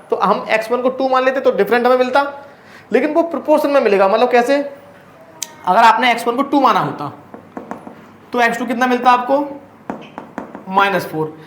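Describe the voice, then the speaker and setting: A high-pitched man lectures through a math problem, checking in with the class through constant rhetorical questions. His tone stays casual and friendly. The echoey room adds a faint hum of ambience behind him. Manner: explains step by step, asking the class rhetorical questions; casual and chatty, calls students brother. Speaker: math teacher. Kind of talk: blackboard lecture.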